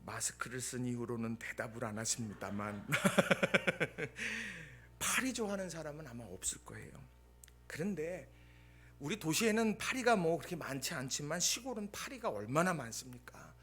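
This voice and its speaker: High-voiced animated preaching man. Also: moderate pace. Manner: animated storytelling, acting out quoted dialogue; swings between loud bursts and hushed asides. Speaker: pastor. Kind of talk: Sunday morning sermon.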